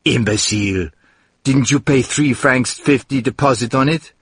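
A man voicing a big, excitable young French peasant woman who scolds in shrill outbursts. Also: moderate pace, breathy edge, no room sound, clean studio sound. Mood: scolding.

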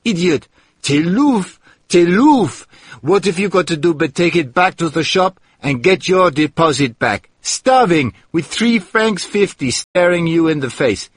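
Male reader playing a stout, excitable French peasant girl, shrill and scolding, pitched high, husky. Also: a little slow, no room sound, studio quality, exaggerated voice. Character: big excitable young French peasant woman.

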